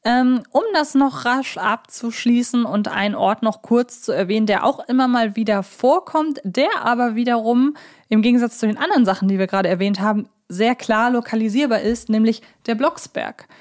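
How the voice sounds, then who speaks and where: Higher-pitched woman in casual podcast chat. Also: normal speed, a little mellow. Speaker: podcast co-host. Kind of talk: casual fan podcast discussion.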